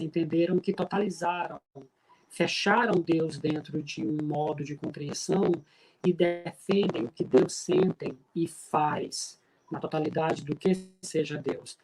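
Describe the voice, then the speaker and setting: A middle-aged man from Pará, Brazil, with a regional accent, giving an emphatic, preacher-like spiritist talk with frequent filler pauses. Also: a little high, darkish tone, poor audio. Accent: Brazilian Portuguese from Pará. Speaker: spiritist speaker.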